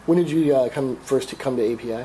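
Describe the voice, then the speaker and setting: A man with a raspy voice from a cold, interviewing an athlete as a sports reporter with direct questions. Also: mid-range voice, fast talker, mellow, slight background noise, poor audio.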